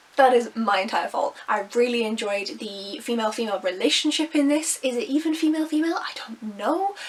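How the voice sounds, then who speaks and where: Over noticeable background noise, a woman talks at a fairly quick pace with a high pitch. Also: lively intonation, hardly any pauses. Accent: British. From Britain. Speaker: book reviewer. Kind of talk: casual talk to camera.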